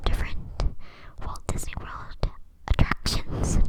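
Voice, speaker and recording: A man whispering over noticeable background noise. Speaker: ASMR creator. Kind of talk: casual talk to camera. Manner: whispered.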